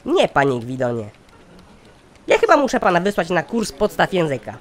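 Playing the sardonic boss of a company in a satirical cartoon, a man lectures formally and with exasperation, all pompous scheming. His high voice swoops wildly in pitch at a normal speed.

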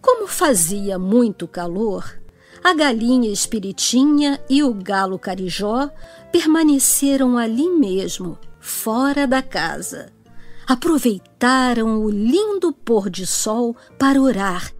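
A Brazilian woman narrates a children's story. She speaks slowly and very expressively in a fairly high voice, with music playing underneath. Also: sing-song.

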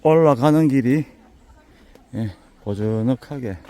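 An older man talks in a thick Busan dialect, his voice hoarse and slightly raspy. He chats and jokes in a folksy, easygoing way as he climbs a mountain path outdoors. His tone is mellow and dark. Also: medium pitch, takes it slowly, a faint crowd, slight background noise. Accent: Busan Gyeongsang dialect. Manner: chatty, joking, folksy. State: out of breath from climbing. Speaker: vlogger touring local alleys. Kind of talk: casual walking vlog.

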